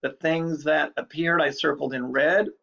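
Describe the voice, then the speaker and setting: Gravelly man lecturing, lo-fi. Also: on the high side, fairly even intonation, moderate pace, a bit bright. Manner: chatty, explanatory, repeats key points. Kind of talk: recorded online lecture. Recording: dull lo-fi recording.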